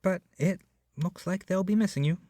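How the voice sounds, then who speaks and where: A man performing an ASMR roleplay as a doting, awkward, possessive young male kidnapper, speaking softly and hesitantly. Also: high-pitched, moderate pace, no room sound, studio quality. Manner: soft, hesitant, rambling, often dropping to a whisper. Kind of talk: ASMR roleplay addressed to the listener.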